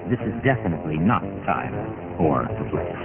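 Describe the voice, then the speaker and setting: A man reading a commercial voice-over in a deep, gravelly announcer voice, over loud music. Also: big pitch swings, brisk. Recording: tinny lo-fi archive audio with loud music.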